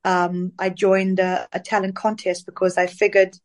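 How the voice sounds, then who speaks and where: A chatty woman singer from Zambia tells her story at an everyday pitch. She rambles a little and fills pauses with "uh" and "you know", heard over a remote call. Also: flat delivery. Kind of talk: casual interview.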